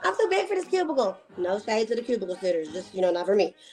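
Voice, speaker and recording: Amid noticeable background noise, a woman with a Texan accent swings very widely in pitch. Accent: Texan Southern twang. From Texas, Dallas. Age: 30s. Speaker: media personality. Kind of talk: interview. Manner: animated.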